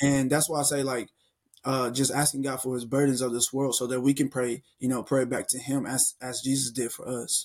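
Speaking fairly quickly, a man keeps a medium pitch and a monotone, flat intonation. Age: 20s. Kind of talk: casual faith discussion.

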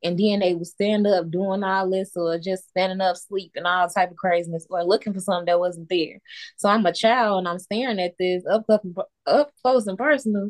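With a normal speaking voice, a woman talks at a fairly quick pace in a medium pitch with ordinary pitch variation, the sound dry and close with no echo. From Chicago. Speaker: author and business owner. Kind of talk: life story testimony.

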